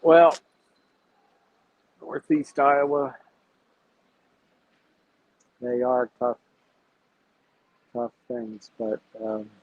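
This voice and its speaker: A man hosting a casual livestream about investing, talking to his viewers in a measured, reflective way as he thinks aloud. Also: mid-range voice, a little hiss or hum. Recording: tinny phone-like sound.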